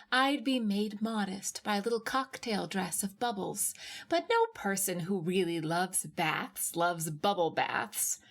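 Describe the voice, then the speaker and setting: Female narrator for first-person literary fiction; slow, deliberate, expressive read. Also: mid-range voice. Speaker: short story reader.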